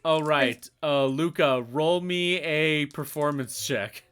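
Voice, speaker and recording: A man's voice: on the high side, fairly bright tone, clean tone, faint music behind. A man narrating as game master of a tabletop game, laid-back and full of "um"s. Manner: laid-back, with frequent "um" and quick chuckles.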